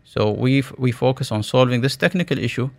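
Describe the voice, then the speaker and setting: A man from the United Arab Emirates giving a radio interview as a startup founder, pitching in tech jargon with halting, repeated words. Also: creaky.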